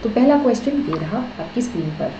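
A woman's voice: fairly high pitch, animated, brisk, reverberant, highs cut off, background noise. A woman with an Indian accent teaching a live online exam-prep class, mixing Hindi and English, quizzing students and explaining patiently.

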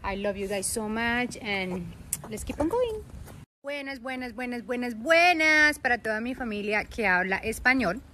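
A woman's voice: fairly high pitch, expressive, unhurried, pushed and bright, slight background noise. A young woman and mother vlogging casually at home, talking to her viewers and her baby, switching between chatty asides and cooing baby talk. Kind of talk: casual bilingual vlog talk to camera and baby. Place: at home, indoors.

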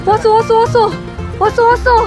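A middle-aged woman outdoors by the sea, cheering loudly and urgently. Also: level tone, fairly quick. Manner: shrill, loud, urgent cheering. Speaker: co-host, wife. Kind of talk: excited cheering. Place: outdoors on a rocky seashore. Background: background music.

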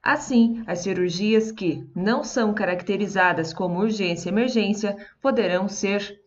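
A woman reporter reading a scripted news voice-over in a crisp delivery. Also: medium pitch, moderate pace, lo-fi sound.

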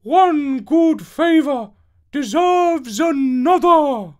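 Shrill, hooting fairytale owl. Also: female voice, lively intonation, darkish tone, heavily acted. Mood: proud, hooting. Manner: hooting, drawn-out. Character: helpful hooting female owl, grand and magical.

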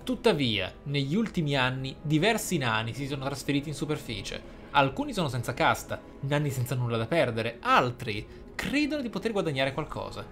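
A man reading game journal entries aloud for a let's play, measured and slightly theatrical, with short asides. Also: medium pitch, very animated, fairly bright tone. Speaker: gaming YouTuber. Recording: clear background game ambience noise.

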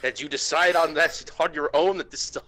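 A man's voice: a little high, steady tone, brisk, a bit bright, pitched above the performer's own voice, natural voice. A man voicing an emotional, easily wounded male cartoon fox in an amateur, hammy comic reading. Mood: anguished, pleading. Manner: melodramatic, hammy.

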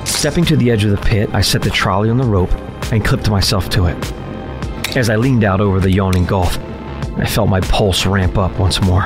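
A man's voice: on the low side, lightly acted. An actor playing a working man trapped in deadly games, telling his story in tense, determined first-person narration.

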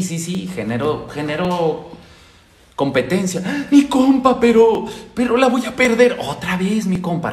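A man's voice: medium pitch, reverberant. A Mexican man giving blunt, slang-filled dating advice on a casual livestream, often repeating lines for emphasis. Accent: Mexican Spanish.

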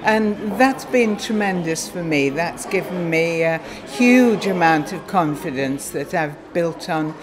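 An older woman telling a personal story in a big, clear voice. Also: lowish voice, expressive, slow pace, hardly any pauses, a crowd in the background. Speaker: churchgoer. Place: church hall.

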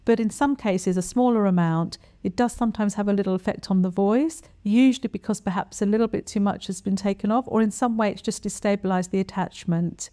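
A middle-aged woman giving an explanatory talk to camera as a specialist, in a measured, plain-spoken and instructive manner. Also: medium pitch, dark tone. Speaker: voice specialist presenter. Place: small quiet furnished room, indoors. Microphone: lapel mic.

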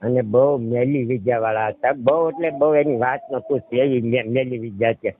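A man's voice: medium pitch, moderate pace, a little hiss or hum. Gujarati man on a tinny phone line. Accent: Saurashtra Gujarati. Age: middle-aged. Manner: repeatedly checks the listener understands. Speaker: caller. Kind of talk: rambling personal account on a phone call. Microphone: telephone. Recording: tinny narrowband phone call recording.

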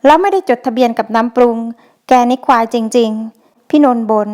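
A woman's voice: on the high side, normal speed, darkish tone, natural voice. A woman voicing a blunt, coarse older brother just out of prison, in a Thai audiobook novel. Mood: menacing. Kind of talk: audiobook character voice.

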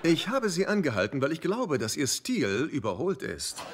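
A cheeky, nervy middle-aged sitcom sidekick. His fairly high voice swings wildly up and down with theatrical flair. The audio is very noisy. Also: wildly swooping pitch, normal speed. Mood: mocking. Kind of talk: dubbed sitcom acting. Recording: noisy TV audio with studio laughter.

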